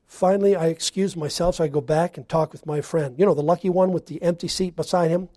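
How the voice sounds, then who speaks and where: A man delivers a sermon in a slightly raised voice. He presses hard on key lines, then drops to a near hush. The recording is close and dry, with no room sound. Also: fairly high pitch, fairly even intonation, fast, no room sound. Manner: emphatic preaching with swings from loud to hushed. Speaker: preacher.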